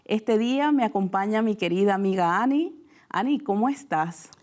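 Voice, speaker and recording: A woman's voice: mid-range voice, lively intonation, moderate pace. A woman from Venezuela with a Venezuelan accent, hosting a Christian TV talk show in a studio and asking questions in a conversational way. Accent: Venezuelan Spanish. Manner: warm conversational questioning, frequent "mira". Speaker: host.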